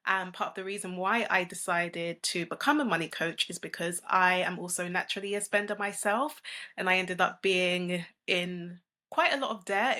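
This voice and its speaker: London woman, money coach guest; bright voice, calm explainer. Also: on the low side. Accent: London English. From England. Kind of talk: podcast interview answers.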